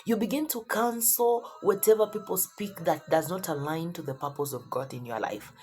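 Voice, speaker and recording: A woman's voice: on the low side, moderate pace, a little mellow, soft background music. A woman preaching a motivational Christian sermon, speaking emphatically and repeating phrases for effect.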